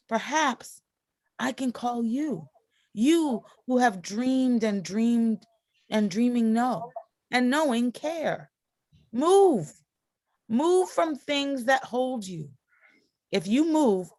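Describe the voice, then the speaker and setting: A woman plays an idealistic young-spirited colleague in a stage play. The voice is fairly high and very slow, each phrase placed with earnest care. It is a close, dry sound from a video call reading. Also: no room sound. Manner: slow, deliberate reading aloud. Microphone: video call microphone.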